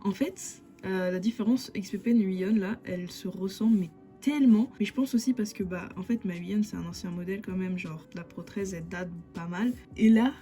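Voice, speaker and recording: A young woman talks in a casual vlog style as an artist reviewing her gear. She gushes and rambles in loose slang, with a mid-pitched voice. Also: brisk, warm tone, faint music behind. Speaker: digital artist reviewing a drawing tablet. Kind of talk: casual vlog chat to viewers.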